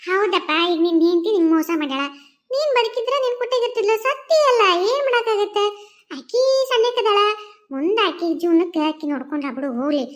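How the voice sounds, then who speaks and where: A woman's voice: very high voice, animated, brisk, highs cut off. A woman voicing a carefree murdered female ghost in a cartoon, speaking North Karnataka Kannada in a soothing, chatty, folksy manner. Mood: consoling. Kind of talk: cartoon voice acting.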